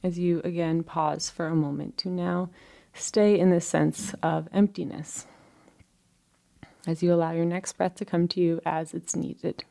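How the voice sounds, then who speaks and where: Woman, meditation teacher, mellow tone, gravelly fry, gentle phrasing, frequent pauses, soothing guided instruction. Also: lowish voice, flat delivery.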